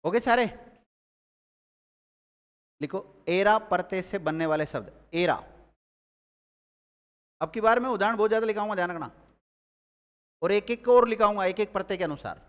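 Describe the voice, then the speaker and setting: A man's voice: high-pitched, moderate pace, pauses often, big-room sound. A man teaching a grammar class, quizzing his students and repeating key words as they take notes.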